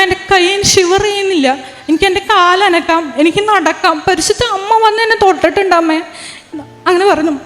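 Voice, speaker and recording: A woman's voice: very high-pitched, fairly bright tone. A young woman giving an earnest, emotional personal religious testimony in a large prayer hall. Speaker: testimony giver. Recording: long reverb of a large hall.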